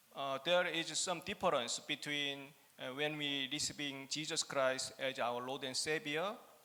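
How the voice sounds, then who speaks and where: This man talks very slowly. The tone of his voice is bright and sharp. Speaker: interpreter. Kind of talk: consecutive sermon interpretation. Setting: conference stage with audience. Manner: hesitant, self-correcting.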